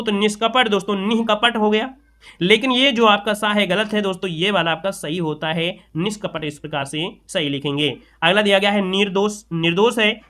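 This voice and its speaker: A man's voice: high-pitched, sharp tone. A man teaching correct spelling to exam students, repeating each word and calling his viewers friends. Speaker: exam tutor.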